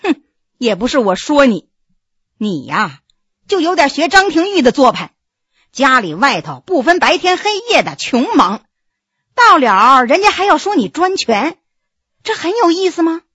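A woman's voice: high-pitched, sing-song, measured pace, long pauses, a bit bright, no echo, exaggerated voice. A woman doing a coquettish young noble wife. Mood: coquettish, chiding. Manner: coquettish, scolding, chatty.

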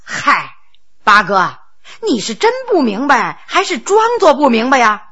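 A woman's voice: on the high side, sing-song, unhurried, a bit bright, breathy edge, muffled recording, exaggerated voice. A woman doing a brash, teasing younger prince. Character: Qing prince's younger brother, a grinning, teasing schemer.

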